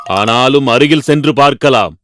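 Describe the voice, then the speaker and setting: A man's voice: mid-range voice, moderate pace, over loud music, natural voice. A man voicing a cunning, hungry lion king in a children's cartoon fable, commanding and calculating.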